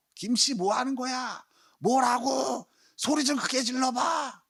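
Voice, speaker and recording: This is a put-on character voice, delivered loudly. The pace is fairly slow. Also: man, extremely high pitch for a man. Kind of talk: rough, informal. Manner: loud, brusque, impatient.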